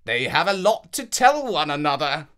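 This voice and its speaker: A woman voicing an arrogant, jealous older fairytale king in a measured, imperious manner. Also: low-pitched, sing-song, a bit bright. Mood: vindictive.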